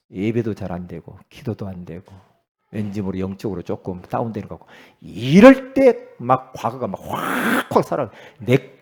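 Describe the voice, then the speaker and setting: Preaching a sermon in a husky voice, a middle-aged pastor is emphatic, moving from booming exclamations to low asides and putting questions to his congregation.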